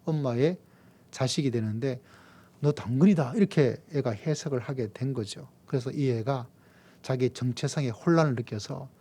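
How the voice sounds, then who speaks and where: A man from the region, preaching a sermon and telling a playful story with emphatic, drawn-out key words. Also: medium pitch, dark tone, breathy edge. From Gyeongsang region, Korea. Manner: playful storytelling with jokes and acted-out voices. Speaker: pastor.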